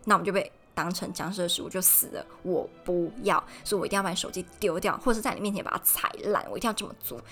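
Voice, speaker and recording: A young woman from Taiwan, chatting casually on her solo podcast from home and telling stories in an animated way. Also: on the low side. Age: young adult. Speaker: podcast host.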